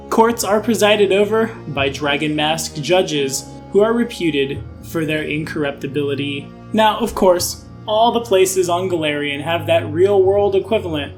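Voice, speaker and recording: A young man hosting an online channel, giving a casual overview of tabletop game lore with dry, sarcastic asides. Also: on the high side. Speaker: YouTube host explaining game lore.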